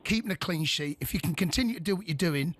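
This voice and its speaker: A man co-hosting a sports phone-in with a high voice. He rambles, stopping and restarting his points. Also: fast talker, fairly bright tone. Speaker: radio show co-host.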